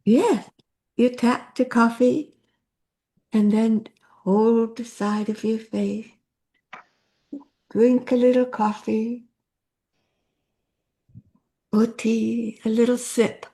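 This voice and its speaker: A woman on a video call calmly leading a group through a gentle sipping exercise. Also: fairly high pitch. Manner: calm, soothing, slow instructions. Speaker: workshop facilitator.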